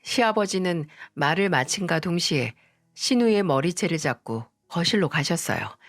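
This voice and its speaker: A woman's voice: on the low side, lively intonation, moderate pace, no room sound, clean studio sound, faint music behind. A woman narrating a first-person family story in a conversational tone. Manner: conversational, recounting.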